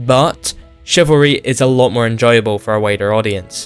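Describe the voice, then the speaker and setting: Music in the background behind a man's speech with ordinary pitch variation. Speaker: gaming YouTuber. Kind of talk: video game commentary to camera.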